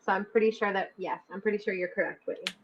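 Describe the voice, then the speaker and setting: A woman's voice: medium pitch, steady tone, fast, vocal fry, highs cut off, slight background noise. A woman in her twenties hosting a casual live chat, giggling often and reading out viewer comments. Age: 20s. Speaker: host of a live stream.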